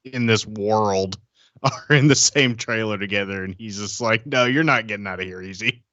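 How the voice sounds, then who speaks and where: A man bantering casually as a tabletop game player, wry and quick to swear. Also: on the low side, bright, forceful tone, no echo, dull audio.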